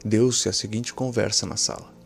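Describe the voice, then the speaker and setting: Low-voiced Brazilian man narrating horror. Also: fairly even intonation, normal speed, gravelly, faint music behind. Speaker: story narrator. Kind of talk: scripted horror story narration.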